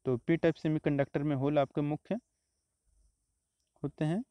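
A man, teaching exam questions step by step in a steady, explanatory way. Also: a little high, normal speed, smooth, no echo, dull audio. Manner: steady explanatory, repeats answers, frequent "तो देखिए" and "आपका".

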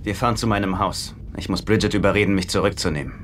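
A man's voice: on the low side, steady tone, fast, fairly bright tone, close to an everyday voice. An actor in a German-dubbed sitcom playing a lovesick, naive rich man with a plaintive, boyish way of pleading. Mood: dejected. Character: lovesick, childlike wealthy man, whiny and naive. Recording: noisy TV soundtrack rip.

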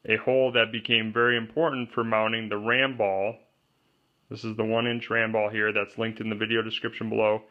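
A man's voice: fairly low pitch, little pitch movement, fairly quick, dull audio. A man walking through a homemade camera pole build step by step, in a plainspoken way, pointing out each part. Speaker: DIY kayak gear presenter. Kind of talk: hands-on how-to walkthrough. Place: indoors at a wooden table. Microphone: off-camera voice over overhead shot of hands.

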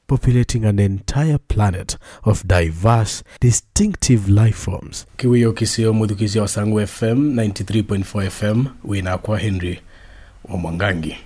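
A young adult man with a Kenyan accent and a slightly husky voice, reading scripted voice-over as a professional voice artist. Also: fairly low pitch, mellow, no echo, studio quality.

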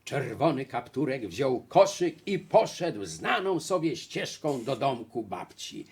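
A man narrating a fairy tale in a slow, expressive way. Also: mid-range voice, breathy edge. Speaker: storyteller.

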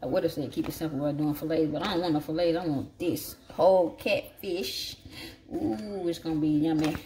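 Sitting low with a dark, steady tone, this woman talks fairly quickly in Southern African American English, an accent of the southern United States. As a home cook working at her kitchen counter, she chats folksily and saltily, thinking aloud for a casual cooking vlog. The audio is a noisy home recording with clicks.

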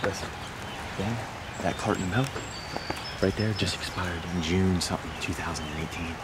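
A man exploring an abandoned site alongside the vlogger, talking in excited slang. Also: low voice, moderate pace. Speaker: exploring companion. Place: outdoors. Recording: distant from the camera mic, noisy outdoors.

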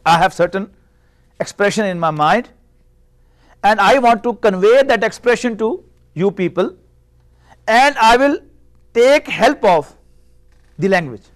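A middle-aged man whose first language is Urdu, giving a classroom lecture on a lapel mic in a small room, measured and explanatory, posing rhetorical questions. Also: high voice, expressive. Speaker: Arabic teacher.

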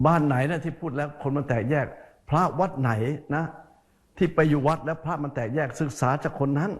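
A man's voice: a little high, a little fast. A male Buddhist monk giving a folksy sermon, speaking straight to his listeners and repeating words for emphasis. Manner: speaks to listeners directly as "sir".

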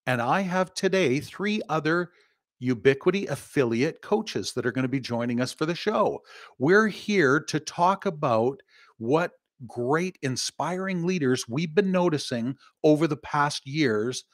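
A man's voice: a little high, lively intonation, unhurried, no room sound, clean studio sound. An older man hosting a podcast over a video call from his home office, chatty and upbeat, laughing easily. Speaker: podcast host. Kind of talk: casual podcast chat. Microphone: studio mic on arm, video call.

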